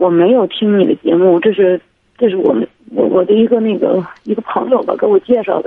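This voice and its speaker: This woman talks at a fairly quick pace with a medium pitch. Her pitch varies in an ordinary way. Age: 30s. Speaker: caller, schoolteacher. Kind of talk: radio call-in about marriage problems.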